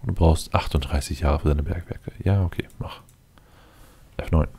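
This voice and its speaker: A man with a very low, gravelly voice talks his way through a game. His tone is dark and mellow, and he mutters casually to himself, thinking aloud and addressing his units directly. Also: steady tone, moderate pace. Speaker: let's player commenting on his game.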